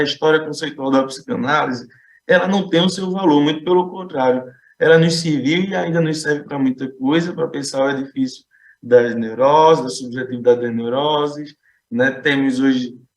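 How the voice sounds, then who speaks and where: Moderate-paced speech from a man at a fairly high pitch, with audible room echo. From Brazil, Recife. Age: young. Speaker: psychoanalyst. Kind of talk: conference talk. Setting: conference panel.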